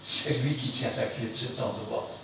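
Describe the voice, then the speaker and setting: A man preaching an emphatic sermon, swinging between loud outbursts and quiet asides. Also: mid-range voice, fairly even intonation, moderate pace. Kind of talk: fiery sermon. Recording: very echoey room, mic far off, faint noise.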